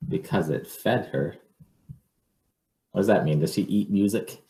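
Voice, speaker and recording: A roomy, echoing recording of a man reading a children's picture book aloud. He takes it very slowly in a fairly low voice, expressive and measured, with informal asides to young listeners.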